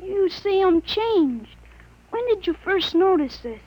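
A woman's voice: very high-pitched, big pitch swings, takes it slowly, exaggerated voice. A woman acting a precocious thirteen-year-old boy in a 1950s radio drama, articulate and matter-of-fact, with precise adult wording. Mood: earnest, matter-of-fact. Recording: dull, lo-fi old radio broadcast.

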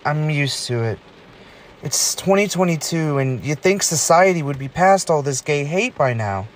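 A man's voice: a little high, expressive, moderate pace, close to an everyday voice. A man playing a jaded, flippant young gay man in an amateur audio drama. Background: arcade music.

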